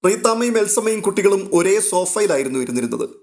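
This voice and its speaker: A man narrating a serialized novel in a steady, even storytelling manner. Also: high voice, fast.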